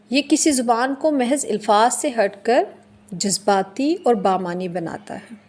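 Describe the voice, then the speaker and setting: A woman teacher giving a slow, deliberate classroom lecture, explaining in English and then again in Hindi-Urdu. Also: fairly high pitch. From Pakistan.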